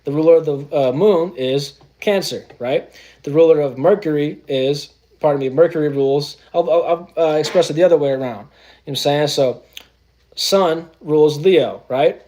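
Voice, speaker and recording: The voice is a man's, a little high and mellow, at a moderate pace. He is a chatty astrology livestream host who uses AAVE slang in casual talk. "You know what I'm saying" is a constant refrain as he drops into slang.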